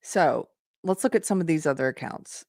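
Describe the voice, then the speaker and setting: A woman's voice: low-pitched, lively intonation, moderate pace, darkish tone, dry recording, studio quality. A woman hosting a casual commentary show, thinking aloud with restarts and reading posts aloud as she comments on them. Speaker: host.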